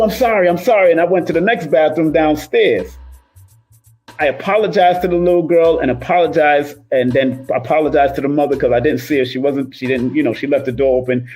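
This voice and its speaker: A man talking casually and motivationally as a numerologist livestreaming, emphatic and repetitive, rolling his R's. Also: mid-range voice. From Cuban and Jamaican heritage. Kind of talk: casual motivational monologue to live viewers.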